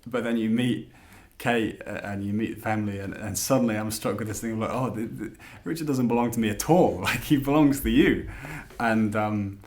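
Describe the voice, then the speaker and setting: A young man speaks in a deep, low voice. He is heartfelt and searching, restarting his phrases as he tries to put his feelings into words. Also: moderate pace, darkish tone. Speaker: lead actor.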